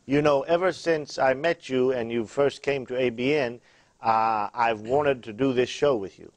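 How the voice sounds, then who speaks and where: A man from Iraq hosts a Christian studio talk show in a preacherly tone, full of "amen" affirmations and "uh" fillers. His voice sits at a middle pitch. The studio mic gives it a close, dry sound. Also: moderate pace, no room sound.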